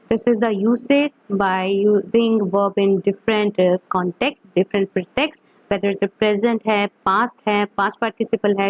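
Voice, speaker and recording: A woman gives a grammar lesson, drilling verb forms again and again and checking whether her listeners follow. Her voice sits a little high and moves at an unhurried pace, recorded close and dry with no room sound. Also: no room sound, rough recording. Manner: mixes Hindi and English, repeats verb forms, asks checking questions; slow, deliberate over English examples, quicker in Hindi. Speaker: English teacher.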